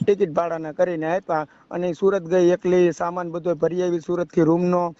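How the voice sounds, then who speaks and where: Calling for advice, a young man from Gujarat with a rural Saurashtra accent rambles on about his personal situation, regularly asking if the listener follows. His high, dark voice has little pitch movement and a moderate pace, and the dull lo-fi phone recording has no room sound.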